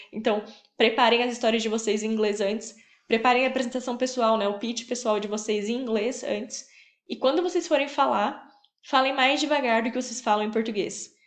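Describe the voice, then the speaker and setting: Amid audible room echo, a woman speaks at a fairly quick pace in a fairly high pitch with fairly even intonation. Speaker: online course teacher. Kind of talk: online course lecture. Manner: fast; casual.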